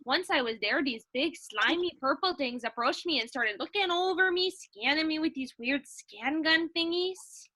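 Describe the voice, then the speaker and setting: A woman's voice: sits high, lively intonation, normal speed, few pauses, bright, forceful tone. A woman playing a sweet, unflappable Midwestern housewife with a folksy Minnesotan accent in a comedy sketch reading. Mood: folksy, matter-of-fact.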